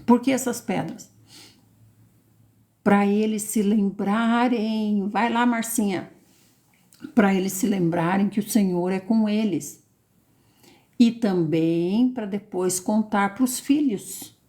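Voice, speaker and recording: A woman reading and teaching the Bible live, expressive and addressing listeners by name. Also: mid-range voice, slow, long pauses.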